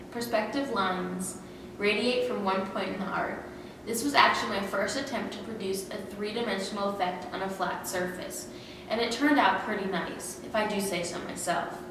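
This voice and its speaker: A woman's voice: mid-range voice, normal speed, natural voice. A woman playing a friendly, self-assured male Renaissance sculptor, speaking plainly in a school-style historical skit. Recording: echoey hall from far off, noisy.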